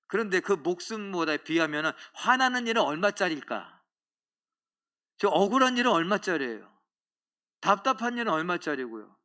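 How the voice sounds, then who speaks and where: A middle-aged male pastor giving a lively sermon in a church, acting out little scenes and joking with the congregation. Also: high-pitched. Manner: animated, acts out voices and jokes with the congregation. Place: church sanctuary.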